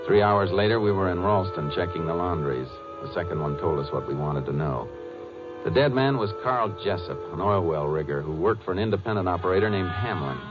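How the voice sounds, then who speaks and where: Low-voiced, terse Texas Ranger. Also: male voice, lively intonation, a little fast, over music. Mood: measured narration. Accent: American. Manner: terse, matter-of-fact. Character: calm, businesslike Texas Ranger investigator, hero and narrator. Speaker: lead actor and narrator. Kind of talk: 1950s radio western crime drama acting. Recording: muffled, noisy 1950s radio recording.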